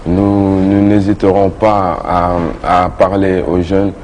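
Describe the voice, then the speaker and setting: A young man from Senegal speaks with a very deep, dark voice. He talks in an earnest, measured way and pauses on fillers. A faint hum runs underneath. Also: little pitch movement. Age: young adult. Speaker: youth association leader. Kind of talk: casual morning-show talk.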